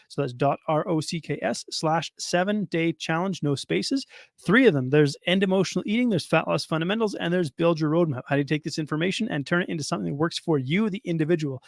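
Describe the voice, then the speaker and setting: Male podcast coach, hoarse, rapid chatty delivery, slightly high voice, dry close sound. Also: no room sound. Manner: casual, chatty, many fillers and restarts. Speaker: nutrition coach and podcast host. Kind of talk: solo podcast talk.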